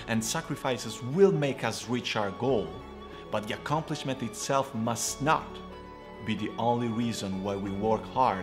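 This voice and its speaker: A man with a strong Italian accent talks at a fairly slow pace while clear music plays in the background. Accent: thick Italian. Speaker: startup and business vlogger. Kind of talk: tribute commentary to camera. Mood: earnest, somber. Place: home room.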